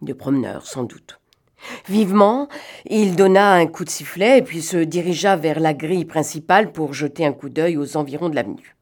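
Woman, lowish voice, literary reading, expressive and suspenseful. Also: moderate pace. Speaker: reader.

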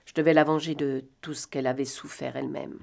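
A woman's voice: low-pitched, flat delivery, fast, creaky, a little mellow. A woman reading aloud as a weary, guilt-ridden young adventuress who murmurs her confessions. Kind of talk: audiobook reading.

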